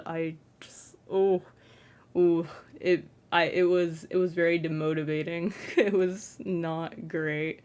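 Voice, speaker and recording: Rambling self-consciously with lots of "like," a young trans man films a casual late-night vlog in his bedroom as a content creator. His voice is high-pitched, fairly flat and feminine-sounding.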